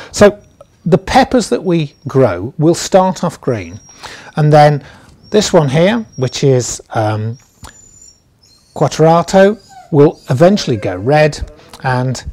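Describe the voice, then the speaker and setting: The pace is very slow, with long, frequent pauses. A man's voice moves through very wide pitch swings. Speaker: presenter. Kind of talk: tutorial. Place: garden. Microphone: lapel.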